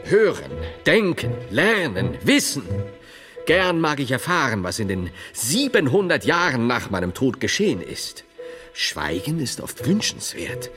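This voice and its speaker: A man playing a devout, self-assured medieval monk and philosopher in a theatrical drama, declaiming deliberately with scholarly emphasis. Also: medium pitch, wildly swooping pitch, fairly bright tone, big-room sound, faint music behind. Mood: fervent, resolute. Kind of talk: theatrical German dialogue drama.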